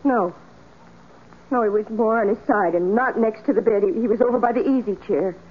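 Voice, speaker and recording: High-pitched, anguished jailed woman, played by an actress. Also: fairly quick, lightly acted. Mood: reluctant, upset. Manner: emotional, anguished, protesting. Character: distraught, defensive young woman jailed for murder. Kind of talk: 1940s radio acting. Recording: noisy, tinny 1940s radio recording.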